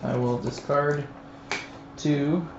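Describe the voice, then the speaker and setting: A man's voice: fairly high pitch, fairly even intonation, drawn-out words, gravelly. A man playing a board game, chatting casually with a sweary, mock-grumbling manner. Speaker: player on a live tabletop stream. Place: room around a game table. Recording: muffled, echoey room, faint noise.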